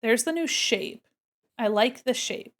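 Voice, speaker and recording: A woman's voice: on the high side, measured pace. Congested woman chatting while she draws. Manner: chatty, answers chat questions, murmurs to herself while working. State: congested from a cold. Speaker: art streamer. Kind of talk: casual chat with viewers while drawing.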